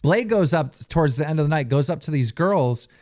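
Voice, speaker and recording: Guy telling a crazy story on a podcast, high-ish voice, bouncy and animated. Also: fairly quick. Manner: animated, laughs into his own story. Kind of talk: casual storytelling.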